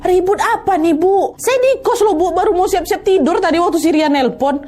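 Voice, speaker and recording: Baffled young husband, as a woman storyteller plays him, quick, high, startled questions. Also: sing-song, a little mellow. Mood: bewildered. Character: young husband, confused and alarmed.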